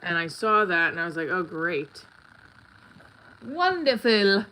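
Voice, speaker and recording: A woman's voice: on the low side, sing-song, slow pace, sharp tone. A middle-aged woman with a congested, stuffy nose, chatting casually and candidly as she hosts a live stream from home in a rambling, blunt way. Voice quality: stuffy-nosed. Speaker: live stream host, comedy creator and performer. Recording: clearly noisy home recording with clicks.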